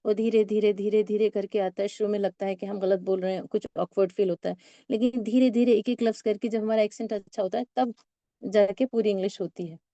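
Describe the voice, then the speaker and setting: This is a spoken English lesson where a woman teacher patiently explains sentences and reads them out one word at a time. Her warm, mellow voice sits at medium pitch with a steady tone, and the close, dry, echo-free recording sounds somewhat dull.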